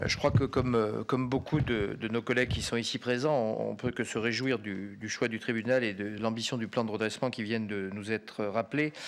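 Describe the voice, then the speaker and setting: A man talks at a fairly quick pace and medium pitch with fairly even intonation, captured in a very clean recording with a silent background. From Dauphiné, southeastern France. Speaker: member of parliament. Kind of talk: committee hearing question. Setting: parliamentary committee room. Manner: halting, many repetitions and hesitations.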